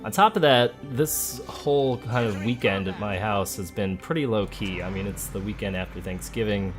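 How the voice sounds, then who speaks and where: Male let's play host, lower-pitched voice, casual and chatty, talking through moves over background music. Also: moderate pace. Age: adult, parent of a school-age child. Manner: relaxed, chatty, thinking aloud. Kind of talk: casual gameplay commentary. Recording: game music behind the voice. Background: video game music.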